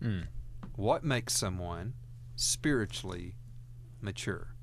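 A man with a Southern US accent swings very widely in pitch, his voice showing vocal fry. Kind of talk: radio call-in show. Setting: studio.

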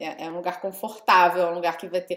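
The speaker talks at a fairly quick pace. Noticeable background noise is present. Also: woman. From Brazil, Rio de Janeiro. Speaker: advertising professional. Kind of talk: casual chat.

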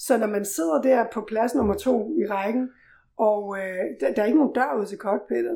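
Her tone is dark and mellow, with a fairly high pitch and ordinary pitch variation. The woman speaks at a fairly slow pace. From Denmark, Gråsten in South Jutland. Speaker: crime novelist and journalist. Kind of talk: casual chat.

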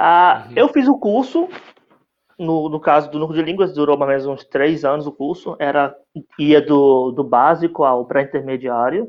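Moderately paced speech from a man, a plain, everyday voice pitched fairly high, the pitch moving in an ordinary way. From Ceará, Brazil (Fortaleza). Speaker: English teacher. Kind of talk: interview.

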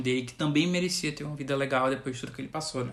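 A man with a fairly high voice and ordinary pitch variation talks through noticeable background noise. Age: 20s. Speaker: podcast co-host. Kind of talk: casual chat. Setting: recording in the same room at home.

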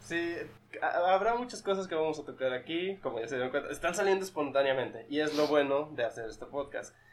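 This man has an ordinary speaking voice, pitched fairly high, and he talks at a fairly quick pace with lively intonation. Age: 20s. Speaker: podcast co-host. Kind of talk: casual chat.

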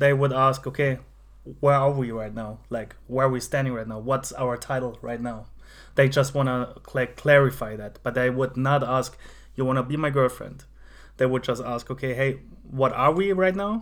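Recorded very cleanly against a silent background, a man with a German accent speaks at a moderate pace, his medium-pitched voice showing ordinary pitch variation. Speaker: podcast co-host. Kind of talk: casual chat.

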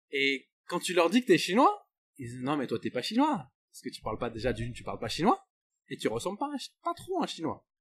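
Taking long, frequent pauses, a man speaks at a fairly quick pace with big swings in loudness. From France, Paris. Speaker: entrepreneur. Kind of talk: casual interview chat. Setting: outdoors by a swimming pool. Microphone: technical issues in recording.

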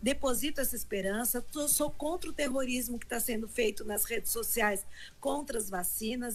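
With vocal fry, a woman talks at a fairly high pitch. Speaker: lawyer. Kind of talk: radio panel discussion.

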